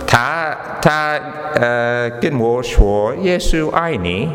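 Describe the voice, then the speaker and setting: A man with a foreign accent gives his testimony in hesitant, non-native Mandarin, his first language being English. He goes slowly, in short simple phrases, leaving gaps for an interpreter. The echoey church hall adds a long reverb to his voice. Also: mid-range voice, lively intonation, fairly bright tone, a little hiss or hum.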